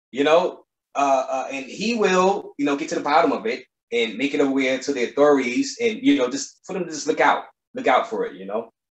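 Speaking at a fairly quick pace with an American accent, a man swings his pitch very widely, with audible room echo against a quiet background. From New York. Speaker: YouTuber, Colombia news channel. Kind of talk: interview. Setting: video call. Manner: casual, animated. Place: home room. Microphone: video call.

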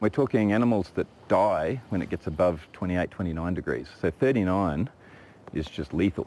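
With an Australian accent, a man speaks at a fairly slow pace in a very deep, low pitch and lively intonation, the sound dry with no echo. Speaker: biologist. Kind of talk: interview soundbite. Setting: outdoors in rainforest. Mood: earnest, concerned. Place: forest.

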